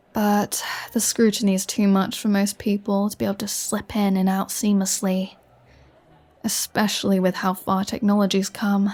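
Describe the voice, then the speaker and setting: A woman's voice: medium pitch, a little mellow, lightly acted. A woman playing a flirty, sardonic vampire in an ASMR roleplay, teasing and sarcastic with a playful threat. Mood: wry, playful. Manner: teasing, sarcastic, conversational with sighs. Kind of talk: ASMR roleplay audio drama.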